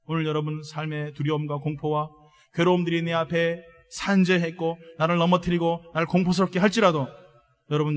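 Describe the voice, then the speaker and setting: Brief: high-pitched man preaching, emphatic and rousing, drawing replies from the congregation. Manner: emphatic, swings from soft to loud proclamations; calls for congregation responses. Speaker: pastor. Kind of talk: sermon.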